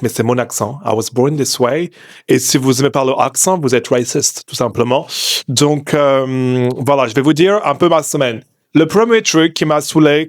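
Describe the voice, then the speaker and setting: A man's voice: mid-range voice, no room sound, clean studio sound, close to an everyday voice. A man from Bordeaux hosting a comedy podcast, putting on a fake American accent in French, rude and mock-apologetic, dropping English words in. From Bordeaux, France. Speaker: podcast host.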